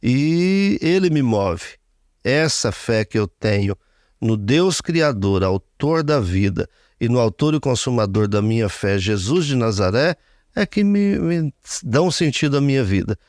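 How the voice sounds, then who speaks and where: A man's voice: mid-range voice, big pitch swings, unhurried, darkish tone, no room sound, studio quality. A man in his fifties, a radio broadcaster, giving an earnest interview testimony and speaking often of his faith. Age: 50s.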